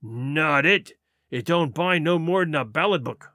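A man reading an audiobook, voicing a cunning, forceful old pirate cook with rough sailor's speech. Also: on the high side, lively intonation, unhurried, dry recording, clean studio sound. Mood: derisive.

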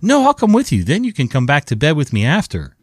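A man's voice: wildly swooping pitch, fairly quick, husky, dry recording, clean studio sound, soft background music, heavily acted. A man voicing a small, insistent toddler boy who will not let his dad leave. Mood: stubborn, pleading. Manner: high, childlike pleading.

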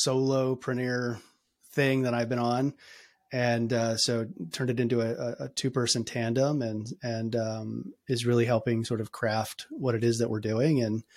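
A man talking as a guest on a podcast interview, energetic but halting, often restarting his sentences and filling pauses. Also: mid-range voice. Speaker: podcast guest, company founder.

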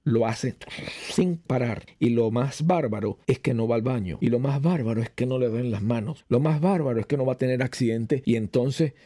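A man's voice: medium pitch, moderate pace. A man hosting a podcast from a small home studio, talking casually and animatedly to camera with rhetorical questions. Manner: animated, addresses viewers directly with rhetorical questions. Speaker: podcast host and radio announcer. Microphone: studio microphone.

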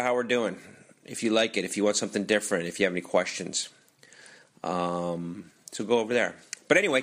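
Low-pitched American man, casual podcast host. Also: a bit bright. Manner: loose, informal, halting. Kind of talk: casual ad-libbed sponsor read.

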